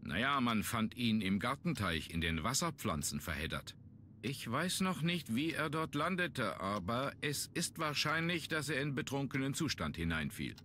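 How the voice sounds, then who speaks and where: An actor playing a businesslike police inspector in a video game, inquisitive and matter-of-fact. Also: male voice, mid-range voice, very animated, normal speed, sharp tone, a little hiss or hum. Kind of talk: German video game voice acting.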